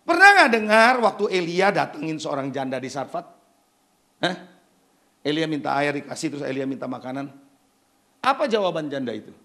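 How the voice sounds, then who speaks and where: Male pastor with a gravelly, lively voice, preaches emphatically and keeps questioning the congregation. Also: on the high side, fairly quick, long pauses. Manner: emphatic, peppers talk with rhetorical questions to the congregation; mixes in English phrases. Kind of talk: sermon.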